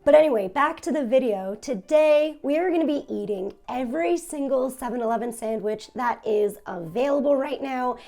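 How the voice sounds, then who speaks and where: A young woman hosting a casual food-tasting vlog, hoarse and nearly losing her voice, talking in a subdued, raspy monotone with small laughs. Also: high voice, moderate pace, hardly any pauses, faint music behind. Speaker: food vlogger. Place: her home in Japan.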